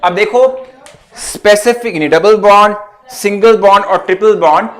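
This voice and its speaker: A man's voice: sits high, moderate pace, fairly bright tone. A young man with a Pakistani Urdu accent teaching a live online chemistry class, chatty and coaxing, checking in with students often.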